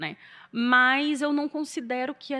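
Over a quiet background, a woman speaks fairly slowly in a raised, projected voice with a high pitch and a bright, sharp tone. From Ceará, Brazil (Fortaleza); Ceará, Brazil. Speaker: journalist and novelist; journalist. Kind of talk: interview. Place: studio. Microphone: studio mic.

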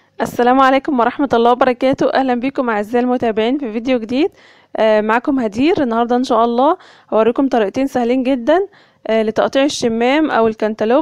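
A woman with a high pitch speaks at a fairly quick pace with ordinary pitch variation. The sound is dry with no echo, over a quiet background. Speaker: home cooking vlogger. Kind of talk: tutorial. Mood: warm, friendly. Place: kitchen. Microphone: phone near.

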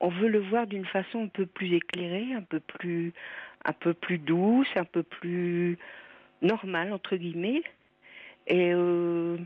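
A woman talks at a very slow pace with ordinary pitch variation, a dry sound with no echo, and light background noise. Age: 70s. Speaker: caller. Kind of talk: casual chat. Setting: phone call. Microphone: phone line.

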